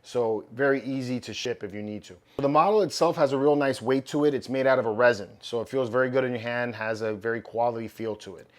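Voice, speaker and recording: A man hosting a collectibles channel, chatting casually through an unboxing while his voice is going hoarse. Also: medium pitch. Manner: upbeat, loose and chatty with fillers. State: losing his voice, slightly hoarse.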